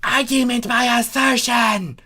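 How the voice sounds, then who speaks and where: A woman's voice: fairly high pitch, steady tone, unhurried, sharp tone, pitched above the performer's own voice. A woman voicing an indignant, argumentative monster queen, dramatic and affronted, in a comic story reading. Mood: defiant. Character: exploded villainous changeling queen, indignant and argumentative.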